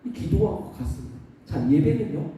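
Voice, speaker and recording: A man's voice: a little high, sing-song, moderate pace, mellow, heavy reverb, far from the mic, slight background noise, low-quality recording. A male pastor preaching a sermon, asking his congregation rhetorical questions and then answering them himself.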